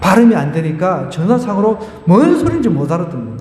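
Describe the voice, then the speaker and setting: A man speaks with very wide pitch swings. Noticeable background noise and audible room echo fill the recording. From South Korea, Gyeongsang province. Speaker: pastor. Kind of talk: sermon.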